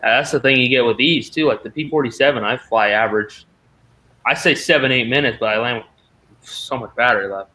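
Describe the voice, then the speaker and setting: A man hosting a casual chat, excitable and saying dude a lot, swearing now and then. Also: medium pitch, a little fast. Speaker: channel host.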